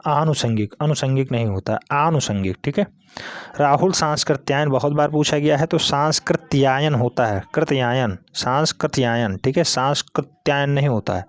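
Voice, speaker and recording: A man's voice: medium pitch, dry recording, clean studio sound. A male teacher giving an exam-prep lesson, repeating each word several times and spelling it out letter by letter.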